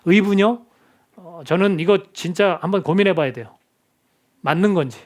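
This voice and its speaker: Earnest high-voiced male pastor preaching. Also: normal speed. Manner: earnest, conversational preaching with rhetorical questions. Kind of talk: sermon. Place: church sanctuary.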